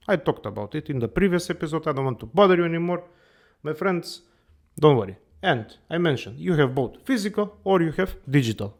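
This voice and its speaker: A man's voice: fairly high pitch, darkish tone. A man hosting a comedic finance show, playful and exaggerated, repeating "my friends" again and again. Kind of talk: comedic character monologue.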